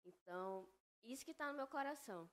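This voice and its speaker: A woman speaking as a guest on a Christian podcast, earnest and reflective, measured in her phrasing. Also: fairly high pitch, expressive. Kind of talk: faith-based podcast conversation.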